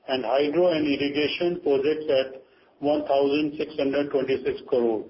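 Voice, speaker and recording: A man with an Indian accent reading a formal, scripted corporate statement as a company chief on a conference call. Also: fairly high pitch. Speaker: company chief giving earnings remarks. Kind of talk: formal prepared corporate statement read aloud. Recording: dull lo-fi conference call, faint noise.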